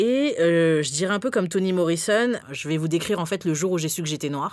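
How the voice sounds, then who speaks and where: A woman talks with a fairly low pitch and ordinary pitch variation. She has an unremarkable speaking voice. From France, parents from Guinea-Bissau. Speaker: career coach for women of color. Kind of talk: casual chat.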